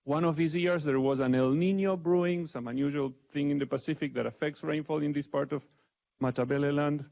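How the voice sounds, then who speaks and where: A man's voice: a little high, fairly even intonation, brisk, creaky, a little mellow. A middle-aged man from Argentina with an Argentine accent, giving a conversational, self-deprecating talk to a panel audience. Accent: Argentine Spanish. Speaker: panel speaker. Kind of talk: public talk with slides. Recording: dull lo-fi event recording.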